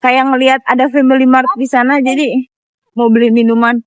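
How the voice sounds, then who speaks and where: A woman's voice: sits high, flat delivery, fairly quick, dry recording. A woman chatting casually to her viewers as she vlogs on the move. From Indonesia. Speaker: vlogger. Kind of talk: casual vlog chat to viewers. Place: walking around a busy outdoor amusement area and nearby shop.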